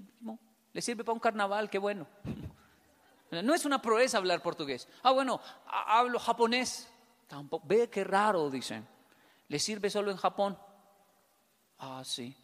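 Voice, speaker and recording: A man from Colombia gives a stand-up comedy monologue in a high voice. He jokes along, chuckles at his own punchlines and slips into other people's voices. His voice rings out with a long reverb, as if on stage in a large hall. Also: a bit bright. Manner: jokey, acts out quoted voices, laughs at his own lines.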